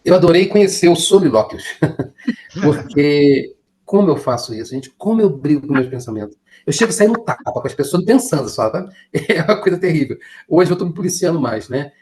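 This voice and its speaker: A man's voice: a little high, expressive, brisk, a little mellow. A man with a slightly raised voice joins an online class to share a personal story. He speaks openly and mocks himself a little, with laughter slipping into his talk. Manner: candid, self-deprecating, laughs while talking. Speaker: class participant. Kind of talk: casual comment in an online class.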